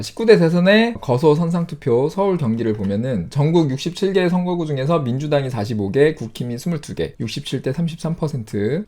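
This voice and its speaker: A man hosting his own channel, casually walking through election figures on screen and listing regions in quick clipped phrases. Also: a little high, darkish tone. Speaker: YouTube host. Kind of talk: casual screen-share data walkthrough.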